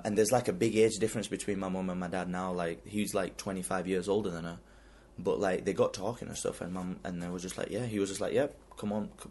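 A young man in his twenties, born in Pakistan with Urdu as his first language, telling a story in an animated, slangy way on a podcast. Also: sits low. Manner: animated slangy storytelling, heavy use of "like" and "bro". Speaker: podcast host. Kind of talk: casual chat.

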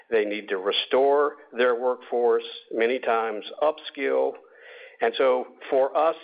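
A man speaking as a company executive on an earnings call, answering analysts in measured, short deliberate phrases over a conference line. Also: medium pitch. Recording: narrow tinny conference phone line.

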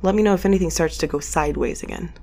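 An actress playing a wry, restless space mail courier in an audio drama, muttering and sardonic with a conversational delivery. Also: female voice, lowish voice, very fast, mellow. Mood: restless, determined. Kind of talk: audio drama acting with first-person narration.

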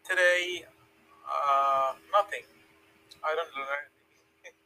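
A man's voice: a little high, steady tone, slow, creaky, pushed and bright, poor audio. A man chatting as a podcast guest, giving short, hesitant replies. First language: Turkish. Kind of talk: casual chat.

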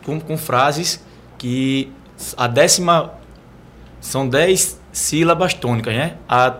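A man's voice: mid-range voice, slow, fairly bright tone, slight background noise. A man from Brazil, a poet being interviewed, explaining casually and often checking if the listener follows. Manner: explanatory, repeats "né" and "entendeu". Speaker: poet guest.

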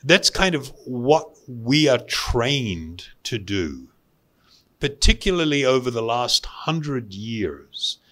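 A man giving a spiritual lecture as a teacher, speaking deliberately with pauses and repeating phrases for emphasis. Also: mid-range voice, very animated, a bit bright. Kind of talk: spiritual lecture to a live audience.

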